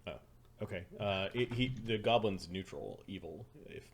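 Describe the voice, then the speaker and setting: Low male voice, game master, improvised descriptive narration, tabletop role-playing session. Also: normal speed, slight background noise.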